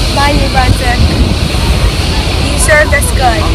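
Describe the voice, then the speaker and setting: Loud background noise sits under speech at a moderate pace with a dry sound and no echo. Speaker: travel vlogger. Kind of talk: casual vlog chat. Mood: cheerful, excited. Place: boat. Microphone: phone near.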